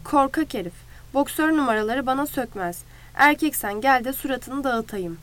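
A woman's voice: high-pitched, expressive, normal speed. A woman voicing a crude, mocking man who taunts others in a storybook reading. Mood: taunting. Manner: sneering, taunting. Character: crude, mocking male ranch hand.

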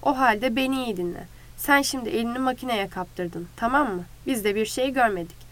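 A woman voicing a calm, authoritative ranch leader who talks firmly and steadily. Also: on the high side, a little fast, lightly acted. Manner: firm, steady.

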